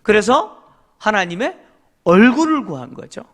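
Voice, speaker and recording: His pitch is high and his delivery very animated, though he never hurries. The speaker is a middle-aged man pastoring a Korean congregation, preaching emphatically, asking rhetorical questions, dropping short affirmations, and guiding everyone through scripture read aloud.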